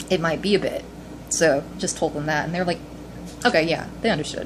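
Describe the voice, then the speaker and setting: With an American accent, a woman mumbles at a fairly low pitch with ordinary pitch variation. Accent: slight northern-sounding. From US South. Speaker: fan fiction writer and vlogger. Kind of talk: casual vlog. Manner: fast; mumbling.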